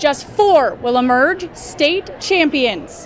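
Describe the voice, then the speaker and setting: Lively intonation from a woman over music in the background. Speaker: sports reporter and anchor. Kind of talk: TV sports news report.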